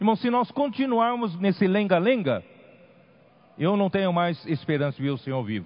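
A man's high-pitched voice at a moderate pace, with very wide pitch swings and long, frequent pauses. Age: 70s. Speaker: pastor. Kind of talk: sermon.

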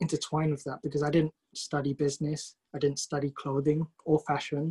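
A man with a fairly high, somewhat breathy voice speaks at a moderate pace in a dry, close sound with no echo. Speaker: dance teacher and life coach. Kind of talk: interview. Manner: calm.

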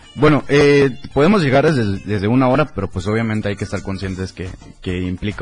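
Over music in the background, a man with a fairly low pitch talks at a fairly quick pace with lively intonation. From Chiapas, Mexico. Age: 20s. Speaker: regional Mexican singer. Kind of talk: radio interview. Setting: radio studio.

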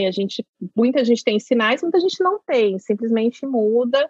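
Her pitch is high and swings very widely as the woman speaks at a moderate pace. The sound is dry and close with no echo. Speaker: career coach. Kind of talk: casual interview.

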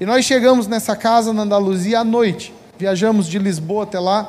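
Over noticeable background noise, a man with a high pitch talks at a moderate pace with fairly even intonation. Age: 30s. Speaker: pastor. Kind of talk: sermon.

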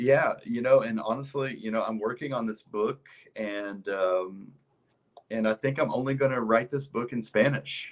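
With an American accent and an unremarkable speaking voice, a man talks at a moderate pace and medium pitch, his pitch varying by an ordinary amount. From US South, Kentucky. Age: 30s. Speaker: travel writer. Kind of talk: casual chat.

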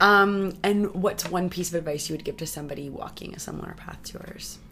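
A woman speaks at a fairly quick pace and a fairly low pitch, with ordinary pitch variation. Her loudness swings widely over noticeable background noise. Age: 30s. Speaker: podcast host. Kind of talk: casual interview chat.

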